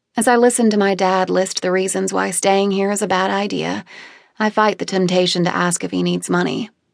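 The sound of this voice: The reading voice sounds unforced. Its intonation is fairly even.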